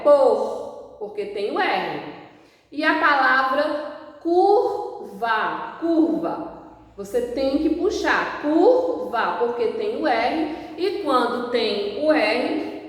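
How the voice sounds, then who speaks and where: A Brazilian woman teaching a children's class, patiently over-pronouncing sounds and words for the pupils. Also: fairly high pitch. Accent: Brazilian Portuguese. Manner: slow, patient, over-enunciated demonstrations. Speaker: primary school teacher. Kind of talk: recorded remote lesson. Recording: echoey room, voice from a distance.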